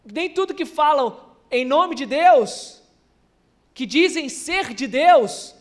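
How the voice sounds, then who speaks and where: A man's voice: extremely high pitch, expressive, slow pace. A Brazilian man preaching a sermon at a church service, earnestly acting out quoted lines and often restarting his words. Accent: Brazilian Portuguese.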